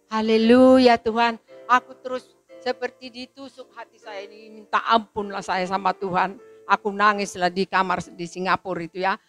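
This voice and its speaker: A woman in her seventies, giving an emotional spoken testimony to a congregation and acting out the people in her story. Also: on the high side. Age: 70s. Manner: emotional, storytelling, quotes people in lively voices. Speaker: church testimony speaker.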